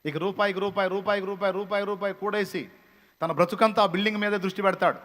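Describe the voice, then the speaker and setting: A man preaching a fiery motivational sermon, scolding his listeners with repeated phrases that build to loud rebukes. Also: high-pitched, steady tone, fast, big-room sound. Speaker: pastor.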